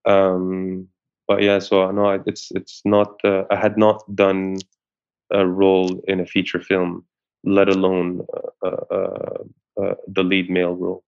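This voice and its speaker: A man with a fairly low voice talks about his acting work, often stopping and restarting his sentences. He is from Syria. The recording sounds dull and muffled. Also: completely flat delivery, unhurried, vocal fry, darkish tone, clean tone. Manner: hesitant, many restarts. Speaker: actor. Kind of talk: interview conversation.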